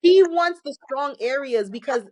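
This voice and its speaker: Animated woman sharing faith testimony. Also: high voice, normal speed, no echo. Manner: animated, preachy, laughing, emphatic exhortations. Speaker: podcast guest. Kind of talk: casual testimony-style faith talk.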